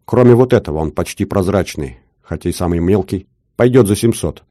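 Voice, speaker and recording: A man's voice: sits low, expressive, brisk, warm tone, no room sound, studio quality. A man putting on a haggling old Odessa jeweler. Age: older. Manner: wheedling, sing-song bargaining patter. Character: shrewd older male jeweler, haggling, fussy.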